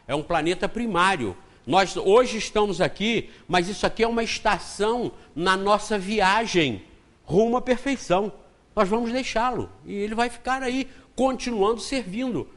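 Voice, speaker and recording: A Brazilian man lectures at a spiritist center, slightly high-voiced and very lively in his pitch. He talks in an easy, joking way and slips into acted-out exchanges to make his point. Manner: conversational and joking, acts out dialogue. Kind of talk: spiritist lecture with homely anecdotes.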